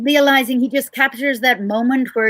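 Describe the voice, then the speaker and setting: This is a woman speaking. She has an Irish accent. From Ireland. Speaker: writer. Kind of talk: panel discussion. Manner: halting.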